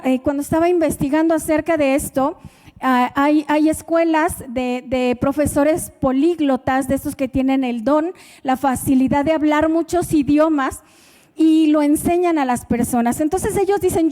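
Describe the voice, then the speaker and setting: A woman's voice: high-pitched, mellow. A Mexican woman preaching a sermon in a church, in a conversational way that keeps asking the congregation questions. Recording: church hall with long reverb.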